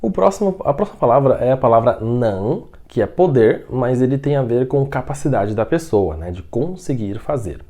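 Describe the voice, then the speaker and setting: A man's voice: medium pitch, expressive, warm tone. Patient Brazilian male language teacher. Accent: Brazilian Portuguese. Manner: explains patiently, checks in with "tá bom?" and slows right down for model sentences. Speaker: Mandarin teacher. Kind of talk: language lesson.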